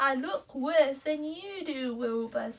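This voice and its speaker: Someone talks at a fairly slow pace in a put-on character voice. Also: woman, high pitch for a woman. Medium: read story.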